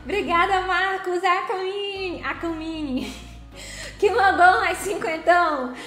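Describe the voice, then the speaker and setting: A woman's voice: very high voice, slow, a bit bright, echoey room, faint music behind. A woman hosting a casual live stream while playing a game, chatty and thanking viewers by name.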